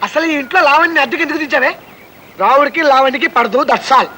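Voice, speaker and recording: Shrill fast-talking bully, brash bright voice, film comedy. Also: male voice, slight background noise, poor audio. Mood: ranting. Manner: bossy, threatening, boastful. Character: blustering boastful man scolding a woman.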